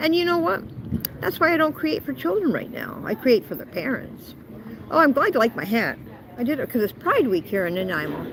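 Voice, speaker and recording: A woman's high-pitched voice at a fairly quick pace, with very wide pitch swings and noticeable background noise. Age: 60s. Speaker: content creator livestreamer. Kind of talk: casual chat. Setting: outdoors at waterfront.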